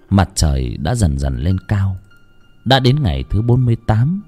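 A man narrating a ghost story in a dramatic, expressive storytelling manner. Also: low voice.

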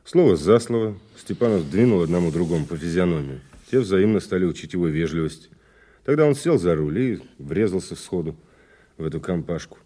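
A very low-voiced, animated prosecutor. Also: male voice, a little fast. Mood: matter-of-fact. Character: urbane, playful male investigator, newly promoted to prosecutor. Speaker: actor in an audio play. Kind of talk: naturalistic audio drama dialogue.

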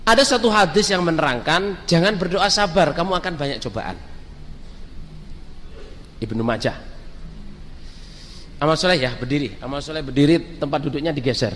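A man's voice: mid-range voice, big-room sound, a little hiss or hum. A man preaching a sermon, telling stories and speaking straight to the congregation. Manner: storytelling, lively, addresses the crowd directly.

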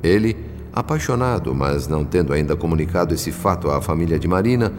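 A man with a Brazilian accent narrates a Brazilian radio drama as a solemn spirit, a grave and literary observer, in a formal, literary delivery. His voice sits low and darkish, expressive and a little fast, with a little hiss or hum, and long reverb lies under faint music.

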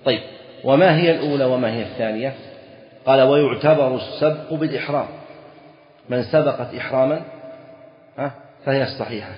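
A man's voice: medium pitch, brisk, pauses often. A man teaching a legal text, reading each line, then explaining it and repeating key phrases as he asks and answers his own questions. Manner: asks the students questions and answers them himself. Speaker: Islamic scholar teaching a fiqh text. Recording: echoey hall recording, dull lo-fi sound.

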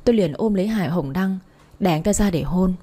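A woman narrating a romance story in a steady, even way. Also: fairly low pitch, fast talker, slightly rough.

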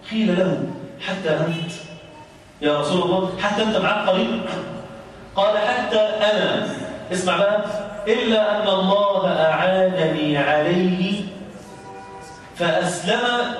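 High-voiced Egyptian preacher in echoey mosque. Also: male voice, a bit bright, a little hiss or hum. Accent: Egyptian Arabic. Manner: colloquial, rhetorical questions answered himself. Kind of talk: mosque sermon. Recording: echoey mosque hall from far off.

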